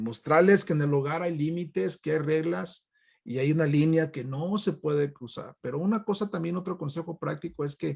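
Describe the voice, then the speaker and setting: A man with a plain, everyday voice speaks at a moderate pace, his fairly high pitch showing ordinary variation. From Mexico, Jalisco (near Guadalajara), then US from age 7. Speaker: pastor. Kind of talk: sermon. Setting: church online broadcast. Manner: conversational.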